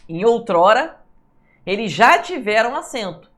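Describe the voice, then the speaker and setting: In an online exam-prep class, this Brazilian teacher reviews answers for Portuguese civil service tests, her voice on the high side. Energetic in manner, she draws words out slowly to emphasize rules and keeps asking her students "tá, pessoal?".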